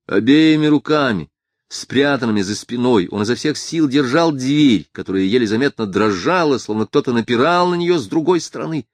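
A man narrating a first-person novel as an audiobook, in a measured, grave storytelling manner. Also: mid-range voice, lively intonation, no echo.

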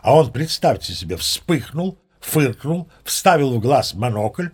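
An actor playing a seasoned old sea captain who narrates tall tales as a chatty, mock-dignified raconteur. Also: male voice, medium pitch, big pitch swings, unhurried. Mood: chatty, wry. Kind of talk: dramatized storytelling narration.

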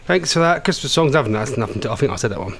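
A man's voice: medium pitch, animated, rapid-fire, vocal fry, fairly bright tone. A British man hosting a casual radio show from his home conservatory, joking and sounding exasperated as he banters. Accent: British English. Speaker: online radio show host.

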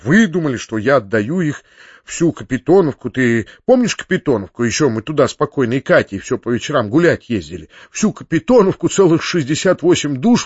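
Fussy older landowner, flustered and pleading, read by a man, high, dry muffled audiobook. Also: darkish tone, slightly rough, no echo. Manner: flustered, pleading, quick-talking. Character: fussy, kindly older male landowner uncle. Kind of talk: audiobook character reading.

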